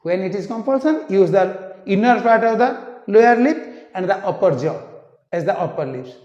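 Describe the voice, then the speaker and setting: A man with a high voice teaches an English pronunciation class, repeating each word slowly to show how it sounds. The sound is muffled and lo-fi, with a long echo from a large room. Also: lively intonation, a little mellow.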